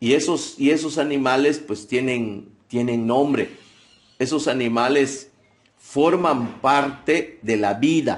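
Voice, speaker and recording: In a Yucatán accent, a man of medium pitch speaks at a very slow pace with ordinary pitch variation. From Yucatán Peninsula, Mexico (Maya community). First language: Yucatec Maya (speaking Spanish). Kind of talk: interview. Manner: halting, many repetitions.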